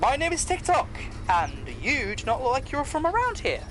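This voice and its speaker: Guy doing a high voiced robot clockwork man, polite n formal, audio play w music behind. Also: very animated, normal speed. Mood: polite, curious. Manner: formal, explanatory. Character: polite mechanical clockwork man, loyal and strong. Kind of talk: scripted audio drama acting.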